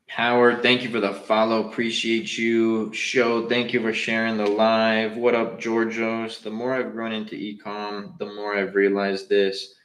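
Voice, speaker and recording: A young Southern Californian livestream host talks loosely and directly to his viewers in that region's accent. His lowish, slightly bright voice is completely flat, unhurried and almost pause-free. The low-quality recording sounds roomy.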